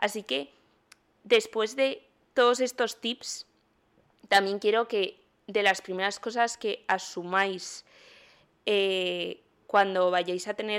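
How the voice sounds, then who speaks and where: A woman speaks in a Madrid accent with fairly even intonation. The recording is very clean, with a silent background. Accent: Castilian Spanish (Madrid). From Spain, Madrid. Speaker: podcast host. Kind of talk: casual monologue.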